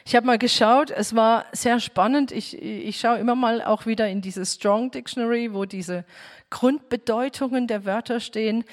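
A woman's voice: on the high side, long reverb tail. A woman teaching a home bible group, speaking earnestly and addressing her listeners directly.

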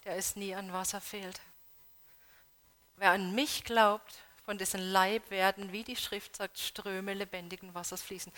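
A woman preaching a sermon, earnestly urging her congregation with questions, moving between loud appeals and soft, hushed emphasis. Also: mid-range voice.

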